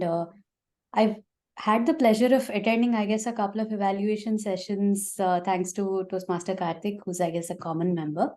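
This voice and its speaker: A woman's voice: mid-range voice, dark tone. A woman guest introducing herself over a video call, hesitant and full of fillers. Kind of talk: self-introduction.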